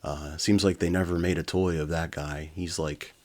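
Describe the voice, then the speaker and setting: Deep-voiced man reading a storybook. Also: fairly even intonation, normal speed, darkish tone. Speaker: reader and commentator. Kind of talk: storybook narration with casual commentary.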